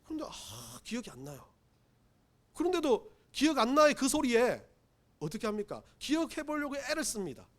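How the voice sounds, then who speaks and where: High-voiced, lively pastor preaching. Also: male voice, moderate pace. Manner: emphatic, acts out pleading quotes; self-deprecating asides. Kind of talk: sermon. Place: church sanctuary.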